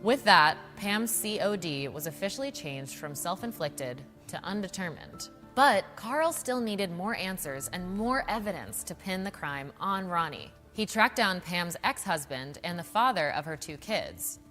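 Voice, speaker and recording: A woman's voice: on the low side, sing-song, measured pace, few pauses, bright, forceful tone, in a large hall. A woman hosting and narrating a scripted true crime documentary in a conversational way, with emphatic asides. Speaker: true crime show host. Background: background music.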